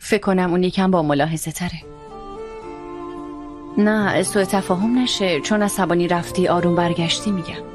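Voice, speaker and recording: A woman voicing a soft-spoken young wife. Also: fairly low pitch, lightly acted. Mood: tender. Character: gentle young wife, quietly reconciling. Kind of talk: Persian drama dubbing. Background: clear music score.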